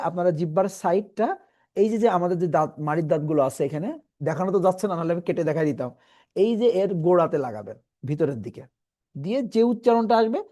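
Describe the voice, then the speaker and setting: A man teaching Quran reading in an online class, patiently explaining and slowly repeating letter sounds for his students. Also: high voice, warm tone.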